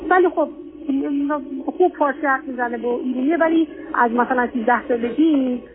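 Calling in to a radio advice line, an older middle-aged woman from Iran, aged fifties or more, shares a personal account in a high-pitched voice with a Persian accent. She speaks with hesitant, polite deference, and her call comes through a tinny, narrow-band line with background noise.

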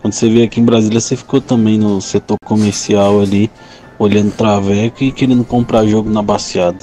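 A man's voice: on the low side, level tone, brisk, warm tone, faint music behind. A man in a sent voice message insulting and mocking the stream host.

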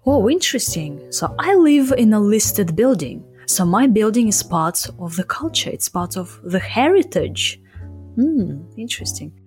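A woman's voice: medium pitch, very animated, measured pace, a little mellow, faint music behind. A woman with a Russian accent hosting a conversational English lesson, playful and emphatic, explaining things in short phrases. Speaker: English teacher and podcast host.

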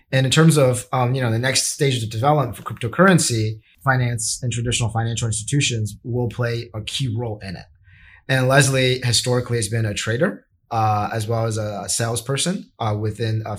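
Man hosting a podcast in an echoey room. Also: mid-range voice. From United States. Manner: scripted-sounding intro, then hesitant with frequent fillers when ad-libbing. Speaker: podcast host. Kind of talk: podcast intro and interview. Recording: echoey room with faint music.

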